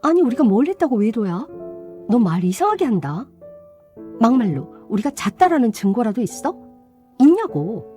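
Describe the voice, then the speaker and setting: Cheating fiancée making excuses, whiny and pleading, woman doing the voice, pitch all over the place. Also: very animated, normal speed, warm tone, faint music behind. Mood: indignant. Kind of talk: radio drama acting.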